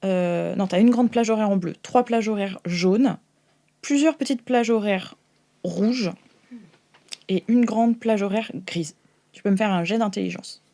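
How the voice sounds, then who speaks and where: Femme maîtresse de jeu, narration improvisée hésitante. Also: female voice, medium pitch, a little slow, warm tone. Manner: hesitant, informal, descriptive. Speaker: game master. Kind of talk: improvised tabletop game narration.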